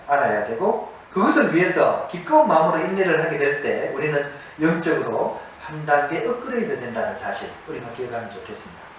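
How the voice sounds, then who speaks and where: A fairly high, somewhat bright male voice carries a sermon given at a monastery. The preacher questions his listeners and repeats important words for emphasis, heard through a far-off mic with strong echo and light noise.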